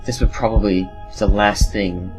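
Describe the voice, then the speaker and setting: A man's voice: on the low side, fairly even intonation, normal speed, over music, low-quality recording. A man reading scripted horror narration as the storyteller of an audio drama.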